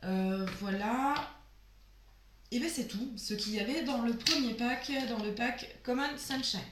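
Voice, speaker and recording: A sick woman with a hoarse voice, chatting casually through a haul of nail polishes and trailing off with fillers. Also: on the high side, measured pace, reverberant, noisy background. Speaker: beauty vlogger.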